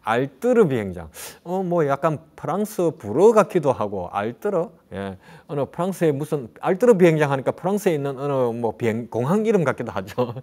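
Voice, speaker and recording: A middle-aged man with a slightly high, somewhat mellow voice acts as a casual travel guide on local history. He rambles with fillers and restarts and poses rhetorical questions.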